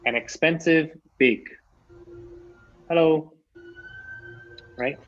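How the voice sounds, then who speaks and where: A man's voice: medium pitch, muffled recording. A Canadian man teaching an English lesson online, patiently repeating key phrases for his students.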